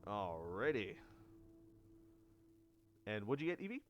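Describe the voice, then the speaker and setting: A man narrating as game master of a tabletop game, animated and quick to laugh. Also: on the low side, muffled recording.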